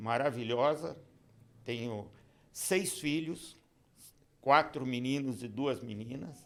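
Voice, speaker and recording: At a very slow pace, a man with a fairly high pitch speaks with lively intonation. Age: 70s. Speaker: sports physiologist and retired professor. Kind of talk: podcast interview.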